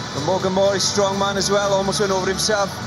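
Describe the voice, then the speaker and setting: A fairly quick pace with clear music in the background. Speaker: rugby commentator. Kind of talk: live rugby match commentary. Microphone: headset.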